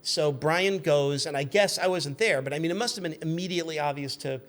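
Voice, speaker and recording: A man in his fifties telling anecdotes in an animated, chatty way as a podcast guest. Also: on the high side, fairly quick. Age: 50s. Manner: chatty, acts out quoted shouts. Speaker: podcast guest, magazine editor.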